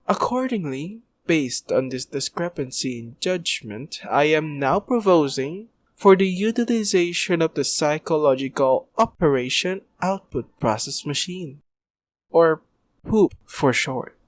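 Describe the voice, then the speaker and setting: A man's voice: on the high side, expressive, unhurried. A man playing a formal, pompous doctor in an audio roleplay, speaking in long-worded clinical phrases. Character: formal, pompous male doctor, smoothly evasive scientist. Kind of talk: ASMR audio roleplay acting.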